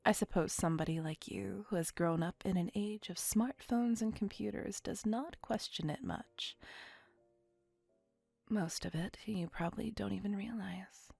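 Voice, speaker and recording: A woman's voice: medium pitch, unhurried, vocal fry, slightly rough, dry recording, soft background music. A woman playing a whispering ancient vampire lover. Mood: wistful. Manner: soft intimate whispering, formal old-fashioned phrasing. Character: centuries-old female vampire, possessive, doting, wistful. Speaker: voice actor. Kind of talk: ASMR roleplay.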